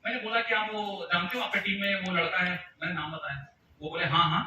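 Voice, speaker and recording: A man's voice: sits high, steady tone, quick pace, pushed and bright, highs cut off. A man giving a storytelling speech to a live audience at a business meeting, animatedly acting out the dialogue in changed voices. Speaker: motivational speaker at a business meeting. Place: large meeting hall with audience. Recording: echoey hall, distant mic, noisy.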